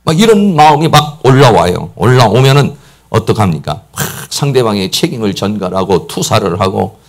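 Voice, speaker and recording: A middle-aged Korean pastor preaching a sermon emphatically, acting out quotes and piling up repeated words for stress. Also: male voice, lowish voice, big pitch swings, moderate pace. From South Korea. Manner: emphatic, acts out quoted speech, repeats "막" often.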